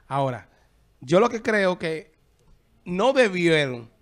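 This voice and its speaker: Male host, quite high voice, casual joking chat. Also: very animated, takes it slowly. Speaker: talk show host.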